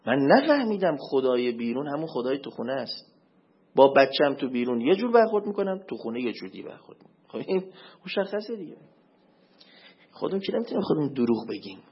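A man giving a religious lecture as a preacher, swinging between loud emphatic questions and low murmured asides. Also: creaky, breathy edge. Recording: dull lo-fi recording.

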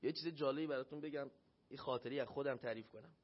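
A man's voice: mid-range voice, husky. A man preaching a religious sermon, telling a personal story and acting out the voices he quotes. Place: shrine hall. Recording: dull lo-fi recording.

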